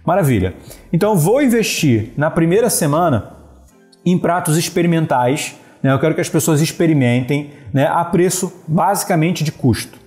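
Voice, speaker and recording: A Brazilian e-commerce business coach in his thirties talks straight to camera, gesturing animatedly and giving business advice. He often checks in with the viewer, his steady talk punctuated with "né?" and "beleza," in a voice on the high side at normal speed. He uses a wired earphone headset mic in a small room with a wooden slat wall, with faint music behind.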